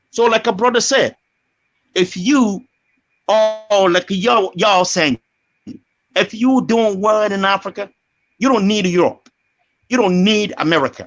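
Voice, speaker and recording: With music in the background, a man speaks at a high pitch and fairly slow pace, leaving long, frequent pauses and keeping his loudness very even. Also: ordinary pitch variation. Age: 60s. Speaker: caller. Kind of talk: casual chat.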